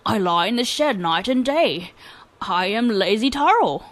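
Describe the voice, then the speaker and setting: A woman voicing a lazy, arrogant young man who drawls his words slowly and loudly. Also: medium pitch, animated. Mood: drawling. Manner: slow, drawling, loud and haughty.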